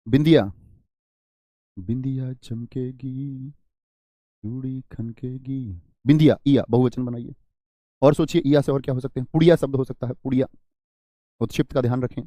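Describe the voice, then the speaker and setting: A man's voice: mid-range voice, mellow, no echo. A male teacher running a live online grammar class, often asking questions, repeating words and reading out student comments. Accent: Hindi.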